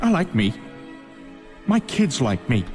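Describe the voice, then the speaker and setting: A man speaks at a medium pitch in a put-on character voice with very wide pitch swings, and clear music plays in the background. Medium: game stream.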